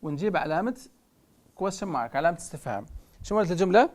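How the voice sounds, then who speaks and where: A woman with a Libyan Arabic accent teaching an English grammar lesson on television. She says the English examples slowly and deliberately, then explains them quickly. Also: on the low side, lively intonation, darkish tone.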